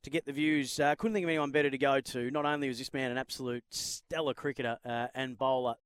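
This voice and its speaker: A man's voice: mid-range voice, steady tone, fast talker, fairly bright tone, smooth, no room sound. An Australian man hosting sports radio, talking in a wordy, opinionated, conversational way. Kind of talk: conversational sports commentary and interview.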